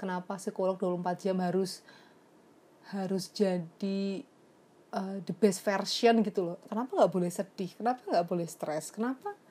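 A woman's voice: medium pitch, fairly even intonation, normal speed, mellow, husky. A young woman who works as a psychologist, talking in a casual, reflective way and slipping English phrases into her speech. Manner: chatty and reflective, mixing in English phrases, many fillers. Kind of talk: casual confessional vlog.

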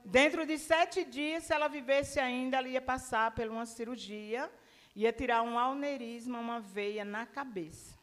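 A woman preacher giving a sermon testimony, telling her story in a lively way and acting out the dialogue. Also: fairly high pitch, normal speed. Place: church hall. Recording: long church reverb.

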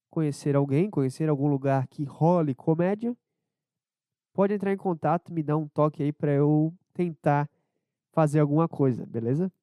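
A man with a southern Brazilian accent rambling casually as a solo podcast host, low-energy and irreverent, hungover and under the weather with a cold. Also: warm tone, dry recording, clean studio sound. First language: Portuguese. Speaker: podcast host and amateur comedian.

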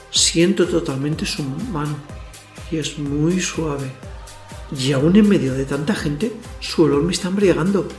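A man's voice: sits high, echoey room, natural voice. A man playing a lustful, cocky werewolf in an audio drama, narrating his night in a crude, self-satisfied way. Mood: smitten, excited. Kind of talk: audio fiction acting with first-person narration.

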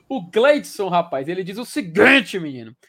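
Excitable man. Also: high voice, a little slow. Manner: excitable, slangy, full of fillers. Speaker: live show host. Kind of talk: casual live-stream chat reading viewer comments.

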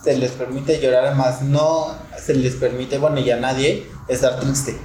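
A man hosts a podcast in a calm, reflective way and readily agrees with his co-host. His voice is mid-pitched. The room sounds echoey, with a faint noise underneath. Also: a little slow. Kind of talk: casual podcast chat.

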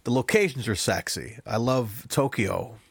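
A young man co-hosting a podcast, rambling and animated in casual chat, often slipping into impressions. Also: mid-range voice, measured pace, vocal fry, breathy edge, no room sound. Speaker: podcast co-host.

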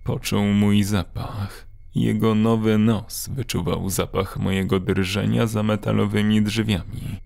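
A man narrating a horror story in a slow, grave, dramatic way. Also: lowish voice, creaky, darkish tone.

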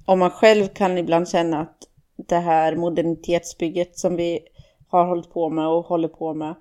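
A woman's voice: fairly low pitch, little pitch movement, mellow. A woman co-hosting a podcast, thinking aloud in a casual reflective discussion, hesitant with many fillers and restarts. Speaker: podcast co-host.

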